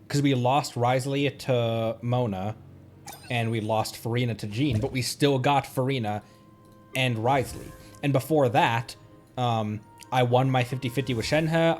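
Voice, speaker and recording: A man's voice: medium pitch, a little mellow. Rambling male game streamer over music. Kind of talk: casual livestream chat while gaming.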